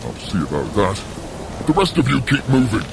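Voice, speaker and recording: An actor playing a gruff, bossy male giant guarding a gate, barking orders from a distance. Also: mid-range voice, sing-song, moderate pace, noisy background.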